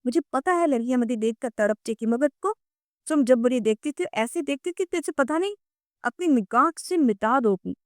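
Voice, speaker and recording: A woman's voice: mid-range voice, steady tone, warm tone, dry recording, studio quality, natural voice. A woman reading the part of a brooding, irritable husband who speaks bluntly. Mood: irritated. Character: man, brooding wealthy husband.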